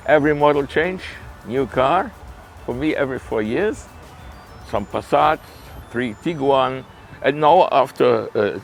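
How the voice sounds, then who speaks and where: A man's voice: mid-range voice, vocal fry. A man in his sixties with a German accent, chatting proudly in an outdoor interview at a car meetup. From Germany, Cologne region. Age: 60s. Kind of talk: casual interview answers.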